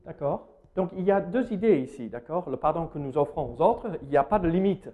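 A man's voice: on the high side, lively intonation, a little fast, phone-quality sound. A man with an American accent giving a sermon in a church hall. He hesitates a lot with fillers and puts questions to his listeners. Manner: hesitant, many fillers, asks the audience questions. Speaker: pastor.

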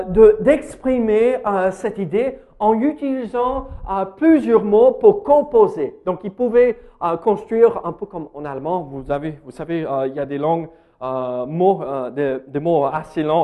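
A man's voice: high-pitched, mellow. A man with an American accent giving a sermon in a church hall. He hesitates a lot with fillers and puts questions to his listeners. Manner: hesitant, many fillers, asks the audience questions. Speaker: pastor.

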